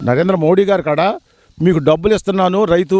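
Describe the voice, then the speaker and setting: Pitched high for a man, this male voice moves with ordinary pitch variation. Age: old. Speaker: retired police officer. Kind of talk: street interview answer. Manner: thoughtful.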